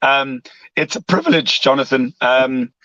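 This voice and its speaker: A hoarse man who has lost his voice, speaking haltingly as a radio guest. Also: mid-range voice, animated, a bit bright, no echo, dull audio. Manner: halting, with many repeats and restarts. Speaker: guest cyclist. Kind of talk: radio interview.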